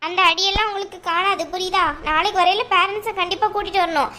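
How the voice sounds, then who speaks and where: A woman's voice: very high voice, steady tone, fast talker, very noisy. A woman voicing a strict female schoolteacher who scolds her pupils in firm, clipped sentences. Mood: stern. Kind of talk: cartoon voice acting.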